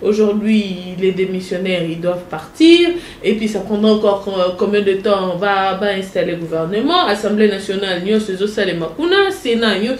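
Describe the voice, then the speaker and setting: A woman's voice: mid-range voice, animated. A woman interviews a guest. She asks long, probing questions, stumbling and restarting as she goes. The room is echoey, with faint noise underneath. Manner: probing, halting with restarts, mixes French and Lingala.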